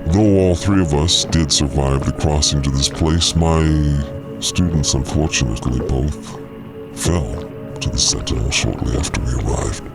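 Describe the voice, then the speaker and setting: A man playing a strange liquid creature, a grave and grieving teacher who speaks haltingly and somberly in an audio drama. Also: rumbling low, over loud music. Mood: grieving, remorseful. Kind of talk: acted audio drama dialogue.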